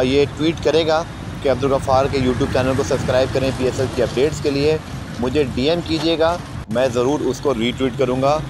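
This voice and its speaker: A sports journalist vlogger with a Pakistani Urdu accent talks casually and eagerly to viewers over outdoor footage, often addressing them as "janab." His voice is mid-range, and the recording is very noisy.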